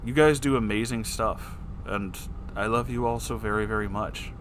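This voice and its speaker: Off camera at his desk, a man fields audience questions in a loose, rambling way, warm and playfully self-mocking. His voice is on the low side, moderately paced, with a little hiss or hum in the recording.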